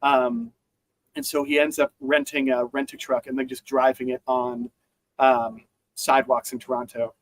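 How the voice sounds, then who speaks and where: A man's voice: medium pitch, little pitch movement, normal speed, poor audio. A man co-hosting a podcast, talking through news in a rambling casual way with many fillers and restarts. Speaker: podcast co-host.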